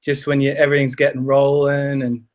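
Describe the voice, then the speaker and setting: A man's voice: mid-range voice, completely flat delivery, a little fast. A man calling into a live stream, chatting in a casual, jokey and upbeat way. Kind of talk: casual chat.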